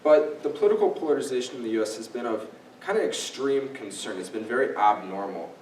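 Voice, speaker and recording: A man's voice: medium pitch, animated, quick pace, a little mellow. A young man in his late teens giving a casual, explanatory talk as a guest speaker, using fillers and signposting his points. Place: library event room. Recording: echoey room, distant mic, faint noise.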